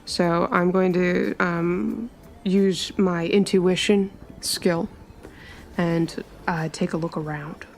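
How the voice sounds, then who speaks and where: A woman's voice: lowish voice, fairly even intonation, takes it slowly, creaky. A woman narrating her character's actions as a player in a tabletop roleplaying game.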